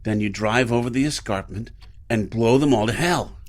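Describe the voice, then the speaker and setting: A man's voice: mid-range voice, normal speed, close to an everyday voice. An actor playing Boz, a plain-spoken, practical man in a retro sci-fi radio drama. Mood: wary. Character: Boz, grown man, practical mechanic type. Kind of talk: golden-age style radio drama acting.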